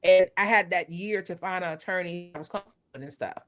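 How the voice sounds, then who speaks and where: A woman telling her story in a casual interview, heard over a remote call that drifts away and breaks up. She talks in an animated way and acts out the people she quotes. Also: lowish voice, fast, no echo, studio quality. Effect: remote call audio that drifts far and breaks up.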